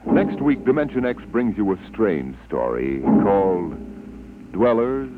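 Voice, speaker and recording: A man's voice: fairly low pitch, very animated, a little slow. A man playing a grave, theatrical science fiction anthology host in 1950s radio style. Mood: ominous, dramatic. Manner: portentous, theatrical. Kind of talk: dramatic 1950s radio narration. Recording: tinny, hissy vintage radio recording.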